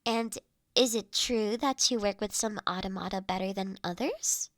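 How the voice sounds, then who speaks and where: A woman playing a gentle, formal young mistress of a manor in a roleplay audio drama, speaking earnest, caring lines in measured, old-fashioned phrasing. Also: medium pitch, no room sound, studio quality, lightly acted. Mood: gently persuasive.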